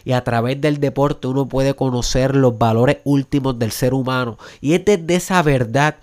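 A man's voice: mid-range voice, moderate pace, a little mellow. Puerto Rican male podcast host, mid-range voice, emphatic motivational monologue that slips in English phrases. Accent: Puerto Rican Spanish. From Puerto Rico. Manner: emphatic, rising to urgent rhetorical questions; drops English words into Spanish.

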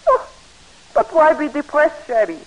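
French landlady, sly, coaxing, very high voice, old radio play. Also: wildly swooping pitch, a little slow, heavily acted, poor audio. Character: shrewd chatty French landlady, middle-aged. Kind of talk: 1940s radio acting.

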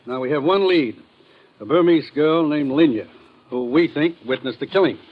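An actor in a 1950s radio drama playing a brisk, authoritative commissioner briefing in a businesslike way. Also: male voice, on the high side, lightly acted. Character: brisk, businesslike commissioner giving an agent orders. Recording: dull old radio recording.

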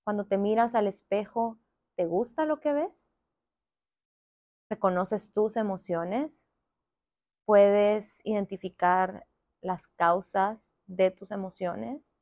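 A young woman hosting a wellness podcast, gently guiding listeners through reflective questions. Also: mid-range voice, takes it slowly, long pauses, no echo, clean studio sound. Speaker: podcast host.

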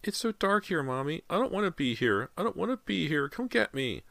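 A small, frightened boy acted out by a man begs in a thin, high, plaintive voice. The pitch sits far above an adult male's and swings about as the child pleads, in storybook horror style. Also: very animated, creaky, fairly bright tone, no room sound, heavily acted. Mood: frightened pleading. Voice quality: tiny, thin voice. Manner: slow plaintive begging.

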